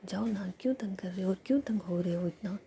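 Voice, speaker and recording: A woman voicing a teasing, bossy and affectionate young woman in a soft whisper, as part of a whispered story. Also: mid-range voice, fast talker, gravelly, a little hiss or hum, close to an everyday voice.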